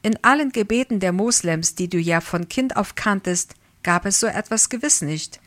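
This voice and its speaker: A woman's voice: mid-range voice, lively intonation, moderate pace, a bit bright, close to an everyday voice. A woman reading the questions of a curious, somewhat skeptical listener in a story.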